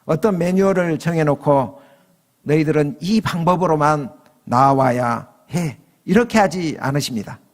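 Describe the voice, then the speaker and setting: A man's voice: on the high side, a little mellow. A man preaching a sermon as pastor, switching into raised voices for quoted lines. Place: church sanctuary. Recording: long reverb of a church hall.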